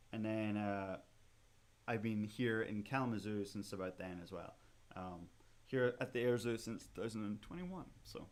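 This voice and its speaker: A man with a Scottish accent chatting casually as a museum livestream host while building a model kit, rambling with many fillers and restarts. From Scotland. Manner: animated, with sudden rises in pitch and loudness when excited.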